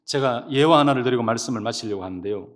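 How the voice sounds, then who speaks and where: A male pastor preaching a sermon, telling stories in an animated, emphatic way from the church pulpit. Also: mid-range voice, fast. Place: church sanctuary. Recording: long reverb of a church hall.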